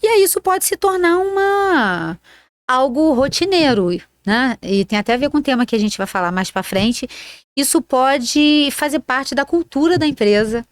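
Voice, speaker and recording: A woman's voice: high voice, animated, moderate pace, no room sound, clean studio sound. A woman co-hosting a casual podcast, speaking earnestly and emphatically, with many fillers. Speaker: podcast co-host.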